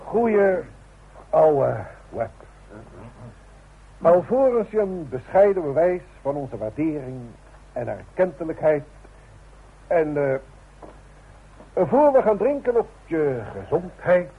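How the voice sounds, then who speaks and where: An actor playing a hearty, formal boss in a Dutch radio play, jovial and oratorical. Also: male voice, on the high side, sing-song, slow, long pauses, husky, full character voice. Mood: hearty, ceremonial. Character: hearty, formal male boss giving a speech. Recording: noisy, tinny, narrow-band old radio recording.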